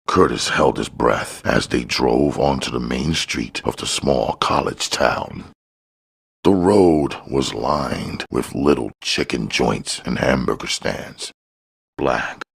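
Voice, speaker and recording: A man's voice: rumbling low, vocal fry, breathy edge. A man reading a crime novel aloud as an audiobook narrator.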